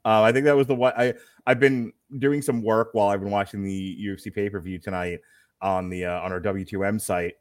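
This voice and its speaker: A man's voice: on the low side, steady tone, a little fast, no echo, studio quality. A man hosting a live fight-night stream, chatting casually with jokey asides and frequent laughs. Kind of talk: casual live commentary chat.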